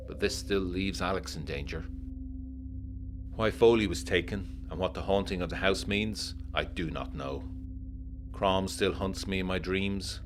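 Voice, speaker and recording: An actor playing an indignant, worried 1920s gentleman, reading his letter in formal period diction with measured, dramatic emphasis for a gothic audio drama. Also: deep voice, natural voice.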